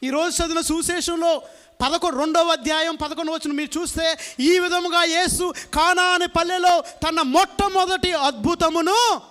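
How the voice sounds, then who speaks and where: A man's voice: very high-pitched, steady tone, bright, forceful tone. A male priest preaching a sermon in church, drawing answers from the congregation and stretching out key words for emphasis. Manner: call-and-response with congregation; emphatic, drawn-out stressed words. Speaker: Catholic priest.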